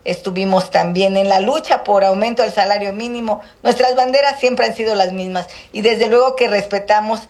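Female politician from Guerrero, mid-pitched, measured and halting. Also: a little mellow. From Guerrero, Mexico. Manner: measured, halting, with many fillers. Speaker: politician, senator.

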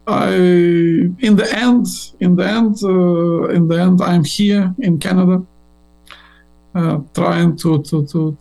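A middle-aged man with an Eastern European accent, speaking non-native English as an interview guest, haltingly recounting his life and repeating words as he searches for phrasing. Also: sits high, creaky, a little mellow, poor audio. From born in Latvia, grew up in Ukraine. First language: not English. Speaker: interview guest, blogger and former journalist.

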